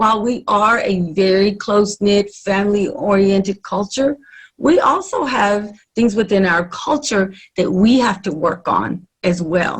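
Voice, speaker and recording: A woman with an American accent speaks at a fairly slow pace in a medium-pitched, somewhat breathy voice. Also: ordinary pitch variation. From Texas, Laredo then Dallas. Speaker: community leader. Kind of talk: interview.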